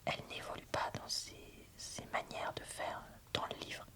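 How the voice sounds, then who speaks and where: A woman whispering an ASMR book review in a soft, breathy, informal and slightly hesitant way. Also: a little slow.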